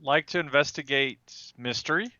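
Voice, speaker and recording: A man chats as a player in a tabletop game. His lowish voice has a bright, forward edge, though the dry recording is a little dull. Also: normal speed, a little hiss or hum. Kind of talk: casual game chat.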